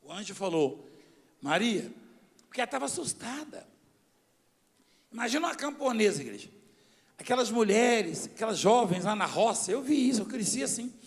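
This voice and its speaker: A middle-aged man preaching a sermon, his voice high and gravelly. He tells stories, mimics people, and swings widely in pitch between soft, hushed asides and shouted emphasis. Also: lively intonation, moderate pace, pauses often. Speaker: bishop.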